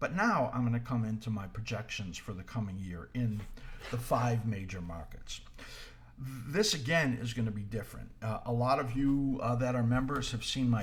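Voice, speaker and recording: A man with a medium pitch sounds somewhat breathy, with audible room echo. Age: 60s. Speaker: market analyst and trader coach. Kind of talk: market analysis video commentary. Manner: halting, many fillers.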